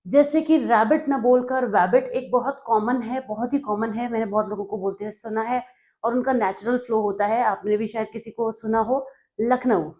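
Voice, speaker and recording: A woman's voice: fairly high pitch, steady tone, moderate pace, a little mellow. A woman from North India, working as a tutor, explains study notes in a conversational way and often checks in with her listeners.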